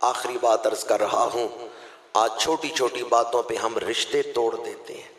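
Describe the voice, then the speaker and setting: A man from Pakistan with a Pakistani Urdu accent, delivering a sermon as a preacher. He swings between loud, declaiming passages and hushed storytelling. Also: medium pitch, steady tone, a little slow. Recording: echoey hall with long reverb.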